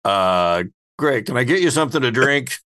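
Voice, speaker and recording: A man with a mid-pitched voice, recorded dry with little room sound. He casually improvises narration as the game master of a tabletop role-playing session. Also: expressive, normal speed, sharp tone, no room sound.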